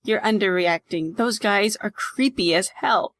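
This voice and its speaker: A woman's voice: medium pitch, unhurried, fairly bright tone, no room sound, clean studio sound, natural voice. A woman playing a skeptical, blunt older sister in an audio drama. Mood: suspicious. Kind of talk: hobby audio drama acting.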